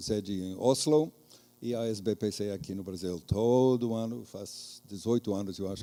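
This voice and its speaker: A man talks with an American accent in a fairly low pitch. His tone is dark and mellow, with ordinary pitch variation. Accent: foreign (American) accent in Portuguese. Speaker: professor, education association leader. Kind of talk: panel talk. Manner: halting, many fillers.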